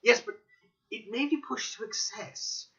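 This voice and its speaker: A man voicing a cautious, wry gentleman companion, explaining emphatically in a dramatic audiobook reading. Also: very high-pitched, measured pace, voice pushed up, heavily acted. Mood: earnest. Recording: dull lo-fi recording.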